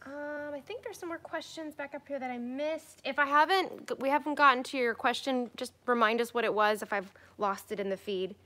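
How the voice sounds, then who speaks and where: An off-camera woman with a bright, slightly high voice reads out viewer questions. She keeps it easy and conversational. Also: brisk, few pauses. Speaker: co-host reading viewer questions. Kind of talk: casual live Q&A.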